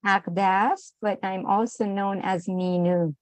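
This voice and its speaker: A woman of sixty speaks slowly and hesitantly, often pausing on "um". Her voice sits at a typical pitch for a woman. The sound is dry and close. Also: steady tone, dry recording. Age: 60s. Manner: hesitant, with frequent ums. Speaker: participant on a call.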